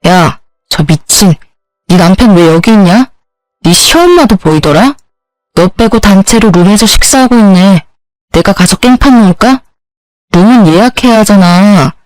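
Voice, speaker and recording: A woman's voice: mid-range voice, lively intonation, normal speed, darkish tone, no echo, natural voice. A woman voicing an indignant young woman friend who swears bluntly. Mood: outraged.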